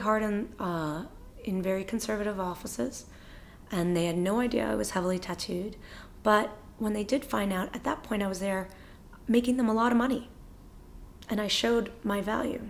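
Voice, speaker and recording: A woman with an American accent and a medium pitch, ordinary pitch variation, a moderate pace, long and frequent pauses, and audible room echo. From New York City, Brooklyn. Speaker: lawyer and writer. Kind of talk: informal explainer on law. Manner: many fillers, uh and um.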